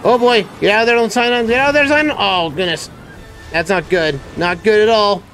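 A man streaming a video game live, reacting excitably with frequent exclamations and laughter. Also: sits high, fairly quick, soft background music. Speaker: gameplay streamer. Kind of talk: live gameplay commentary.

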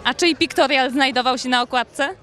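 A woman's voice: high-pitched, normal speed, fairly bright tone. A young woman reporter asking questions at an outdoor evening gala into a handheld mic, upbeat with some fillers. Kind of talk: red-carpet interview questions.

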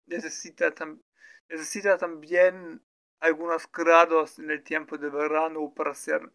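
A man working his way through a story in Spanish as a learner, stopping often to fill gaps and correct himself. His voice sits fairly high and sounds bright and smooth. He takes his time, pausing between short bursts. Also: level tone. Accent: non-native Spanish learner. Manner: slow, hesitant, many fillers and restarts. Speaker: language learner streaming his practice. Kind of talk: halting improvised practice talk.

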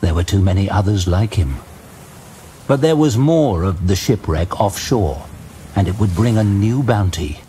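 A man narrating a scripted fantasy story dramatically, in a measured, suspenseful manner. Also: on the low side, lively intonation, warm tone, a little hiss or hum. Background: music.

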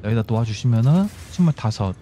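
A man's voice: mid-range voice, animated, fast talker, dark tone, slight background noise. A man giving casual gameplay commentary, explaining build steps as he goes and talking to himself over faint game music. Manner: instructive, talks himself through building steps. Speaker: gaming YouTuber.

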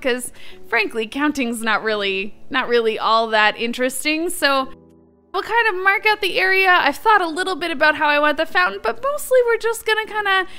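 A young woman gives casual commentary over her gameplay. Her voice is very high and bright, with an upbeat, chatty manner as she thinks aloud. Faint music plays underneath. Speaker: gaming video creator.

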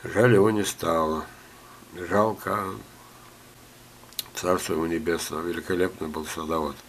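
An older man with a low voice talks through a gardening lesson at home and keeps stopping to cough. He reads letters aloud and drifts into chatty, joking asides. A faint hum sits behind him. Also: fairly even intonation, measured pace. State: ill, coughing. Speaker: gardening teacher. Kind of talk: screen-share talk reading viewer letters.

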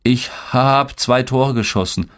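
A man's voice: medium pitch, slow pace, a bit bright, clean tone, pitched above the performer's own voice. A man voicing a hesitant, timid young boy in an audiobook story. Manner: hesitant, pleading. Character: Dennis, timid ten-year-old boy.

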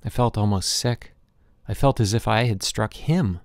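A man narrating a literary short story as an audiobook, in a measured, reflective storytelling manner. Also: lowish voice, no room sound, clean studio sound.

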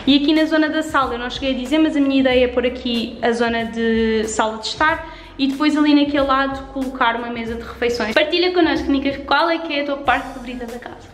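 A young woman in her twenties with a European Portuguese accent, chatting upbeat through a house tour vlog, filmed on a handheld camera in an empty flat. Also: sits high, roomy sound, a little hiss or hum. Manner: chatty and upbeat, fond of diminutives. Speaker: vlogger. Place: empty renovated flat indoors. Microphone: handheld camera at arm's length.

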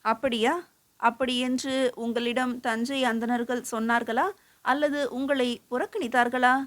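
A woman voicing an elderly male sage who questions gently but turns firm when he commands. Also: on the high side, fairly even intonation, measured pace. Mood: probing.

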